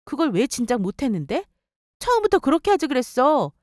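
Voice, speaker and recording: A woman narrating a dramatized personal story for story radio and voicing her own sharp-tongued replies. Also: high voice, sing-song, brisk, no room sound, studio quality.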